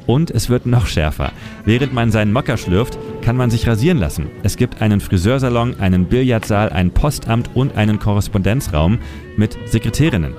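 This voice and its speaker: Man, scripted narration, storytelling manner, low pitch, music bed behind. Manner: measured, storytelling delivery.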